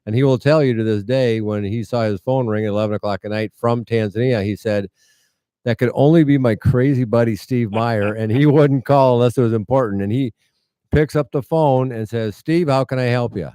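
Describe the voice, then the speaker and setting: A man's voice: medium pitch, fairly quick, dark tone, clean tone, dry recording. A middle-aged man with an American Midwestern accent, telling a story earnestly and with wry humor as an interview guest. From United States, rural Iowa. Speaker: interview guest, medical mission founder. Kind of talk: conversational storytelling.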